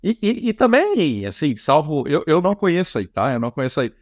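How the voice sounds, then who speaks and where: A man's voice: a little high, sing-song, fairly quick, dry recording, studio quality. A man with a Brazilian accent hosting a casual podcast interview, talking in loose, rambling sentences full of restarts and fillers. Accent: Brazilian Portuguese. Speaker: podcast host.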